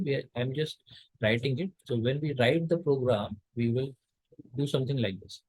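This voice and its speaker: A man's voice: medium pitch, darkish tone, no room sound, rough recording. A man from India giving a recorded college lecture, explaining step by step with frequent fillers and restarts.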